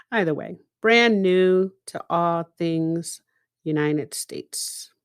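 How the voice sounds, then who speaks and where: A middle-aged woman from Israel, a native Hebrew speaker, giving a reflective personal monologue in a deliberate manner with dramatic pauses and rhetorical asides. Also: fairly low pitch, smooth, no room sound, studio quality. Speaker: podcast host and speaker.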